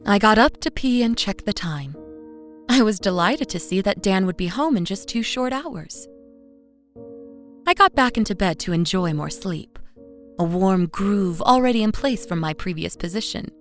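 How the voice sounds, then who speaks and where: A woman playing a weary, devoted young mother, telling a first-person horror story in an intimate, expressive way. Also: medium pitch, normal speed, close to an everyday voice. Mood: tired, relieved. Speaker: narrator of a horror audio drama. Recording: voice over music bed. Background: music.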